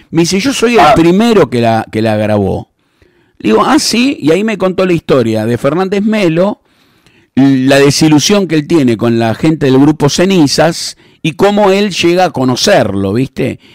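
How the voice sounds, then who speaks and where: At a moderate pace, the speaker uses very wide pitch swings in a Rioplatense accent. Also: man, fairly high pitch for a man. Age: 60s. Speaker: radio host. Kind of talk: interview.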